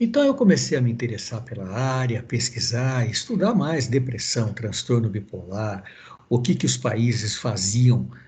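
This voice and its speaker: In a room with audible echo, a man speaks somewhat breathily at a medium pitch and moderate pace. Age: 60s. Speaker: psychiatrist. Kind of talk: lecture. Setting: video call.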